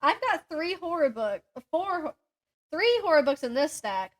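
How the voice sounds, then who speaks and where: Young woman on a book podcast, kinda high voice, giggly, chatty, puts herself down a bit. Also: sing-song, a little slow. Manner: giggly, self-deprecating. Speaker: podcast co-host. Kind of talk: casual book chat with synopses read aloud.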